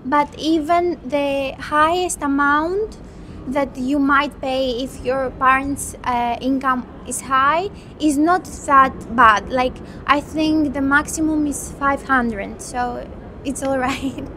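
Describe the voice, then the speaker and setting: Young Greek woman, high voice. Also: fairly even intonation, sharp tone, slight background noise. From Greece. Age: 20s. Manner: thoughtful, unhurried, with restarts. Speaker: medical student. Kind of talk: interview.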